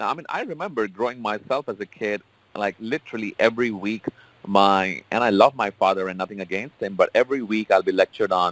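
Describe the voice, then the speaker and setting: This man talks very fast, his fairly low pitch varying in an ordinary way. No echo is heard, and the sound is dry and close. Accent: Indian. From India. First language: Hindi. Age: 30s. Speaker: entrepreneur guest speaker. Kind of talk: casual interview chat.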